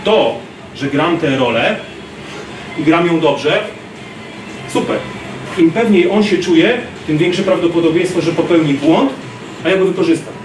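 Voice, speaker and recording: Man, thirties, self-defense instructor, animated lecture, distant camera, roomy gym noise. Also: on the high side, measured pace, long pauses. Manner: animated, gestures, acts out street scenes. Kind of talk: lecture to a class. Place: large gym hall, indoors. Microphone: far camera. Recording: roomy gym echo from far off.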